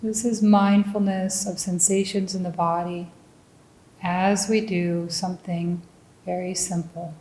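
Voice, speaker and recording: A woman guides a meditation in a mellow, relaxed voice. She speaks very slowly and gently, placing short, deliberate phrases between long pauses. The sound is roomy, with audible echo around her words. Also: on the low side, slight background noise. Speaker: meditation teacher.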